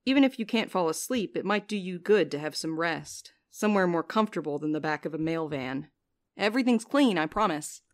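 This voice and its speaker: Woman acting wry sleepless courier, lower-pitched, dry and weary, naturalistic podcast drama. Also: expressive, brisk, lightly acted. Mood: gentle, apologetic. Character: wry, sleep-deprived mail courier, guarded but apologetic. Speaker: lead actor in a fiction podcast.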